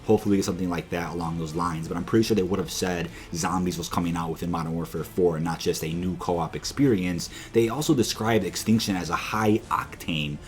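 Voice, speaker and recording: A man's voice: low voice, fast, hardly any pauses, a little hiss or hum. A man giving informal, opinionated video commentary to viewers as a gaming news host, explaining things with emphasis. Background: background music.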